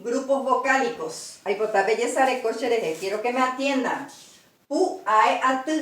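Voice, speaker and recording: High-voiced woman teaching in an echoey room. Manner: spells out syllables slowly, repeating each example word. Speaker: language teacher. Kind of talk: slow spoken language lesson. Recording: roomy echo, far from the mic.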